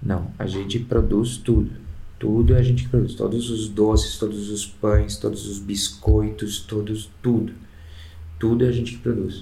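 A man talks at a fairly slow pace in a fairly low pitch with ordinary pitch variation. Audible room echo surrounds his voice. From southern Brazil, Rio Grande do Sul (Nova Bassano). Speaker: chef and baker. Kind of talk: podcast interview.

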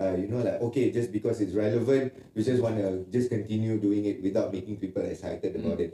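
A man's fairly low, dark, mellow voice, somewhat breathy, at a very fast pace with fairly even intonation and hardly any pauses. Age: 40s. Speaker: fashion creative director. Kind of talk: casual interview. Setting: studio couch.

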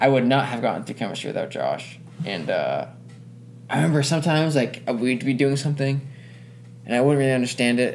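Fairly quick speech broken by long, frequent pauses, with audible room echo and noticeable background noise. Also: man. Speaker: college student podcast host. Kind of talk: casual chat.

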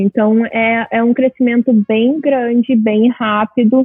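A woman speaks very slowly in a high pitch. Music runs behind her. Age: 30s. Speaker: Brazilian immigrant in Canada. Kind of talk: casual chat.

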